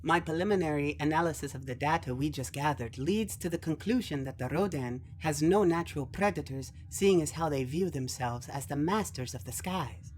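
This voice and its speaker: A man's voice: fairly high pitch, moderate pace, hardly any pauses, a little mellow, a little hiss or hum, voice pushed up, natural voice. A man voicing an earnest, analytical young male alien in an audio drama, precise and formal in speech.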